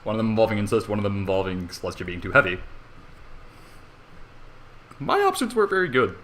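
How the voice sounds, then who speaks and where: Young male amateur story reader, very lively pitch swings, sweary and self-mocking, casual bedroom recording with faint background noise. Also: a little fast. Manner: irreverent, sweary, self-deprecating. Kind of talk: casual fan fiction reading with rambling asides. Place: bedroom at home.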